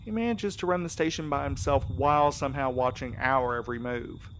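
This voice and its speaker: An actor playing a wry, skeptical courier in an audio drama, with a casual way of talking. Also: male voice, medium pitch, brisk, fairly bright tone, slight background noise, lightly acted. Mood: worried. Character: wry, skeptical male courier, anxious devoted husband.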